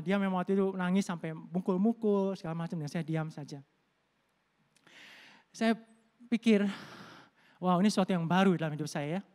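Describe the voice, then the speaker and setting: A man's voice: high-pitched, darkish tone. A middle-aged male pastor giving a Sunday sermon in a conversational, storytelling way, calling listeners "brothers and sisters" and dropping in English words. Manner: conversational preaching, addresses listeners as "saudara", tells personal stories. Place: church service.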